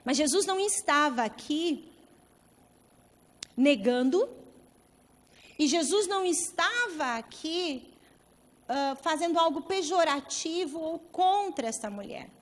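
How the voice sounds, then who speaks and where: A woman pastor preaching a sermon with impassioned, dramatic swings in loudness. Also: high-pitched, animated, slow pace, long pauses. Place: large convention center hall. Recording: reverberant convention hall.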